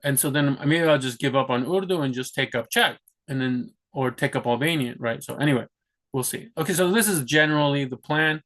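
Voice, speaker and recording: A man's voice: mid-range voice, a little fast, fairly bright tone. A young man from the US, talking casually about his own plans in a rambling way, with many restarts and fillers. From United States. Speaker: vlogger. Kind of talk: casual talk to camera.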